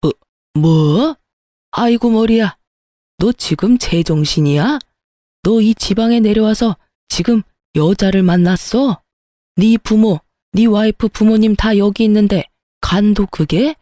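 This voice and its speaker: A woman's voice: medium pitch, slow, mellow, dry recording, clean studio sound, close to an everyday voice. A woman voicing an angry older father-in-law who scolds his son bluntly, in a dramatized story. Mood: furious.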